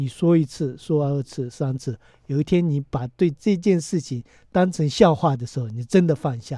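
A man's fairly high, somewhat breathy voice in a dark, mellow tone, with ordinary pitch variation, dry and close with no echo, on a very clean recording against a silent background. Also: moderate pace. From Tibet. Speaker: doctor and author. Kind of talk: book interview.

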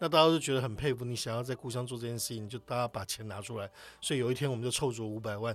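This man talks at a medium pitch in a very clean recording with a silent background. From Taiwan, Penghu islands. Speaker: foundation chairman and author. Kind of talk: interview.

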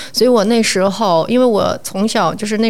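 Noticeable background noise sits under this woman's speech. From China, Anhui, Hefei. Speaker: opera performer. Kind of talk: interview.

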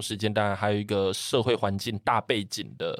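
A man with a normal speaking voice talks at a moderate pace in a fairly low pitch. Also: very clean recording, silent background. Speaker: podcast host and teacher. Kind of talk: casual interview chat.

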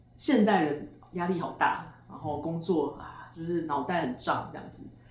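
Noticeable background noise sits behind the voice. The delivery keeps a moderate pace. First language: Mandarin. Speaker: podcast host. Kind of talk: interview.

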